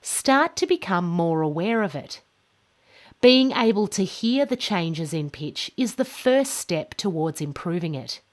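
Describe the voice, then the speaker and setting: A woman in her thirties giving a scripted pronunciation lesson, enunciating carefully and deliberately with marked word stress. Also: fairly low pitch. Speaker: pronunciation teacher. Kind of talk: instructional lesson to camera, scripted. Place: small indoor studio with plain backdrop.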